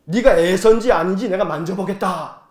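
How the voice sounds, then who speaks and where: A man's voice: high voice, brisk, a little mellow, reverberant, close to an everyday voice. A man voicing a suspicious old blind father who questions and demands in a sermon retelling.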